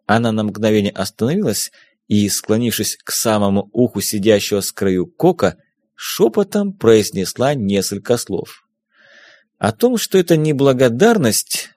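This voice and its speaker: A man narrating an audiobook in an expressive storytelling manner. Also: medium pitch, no echo. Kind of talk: scripted narration.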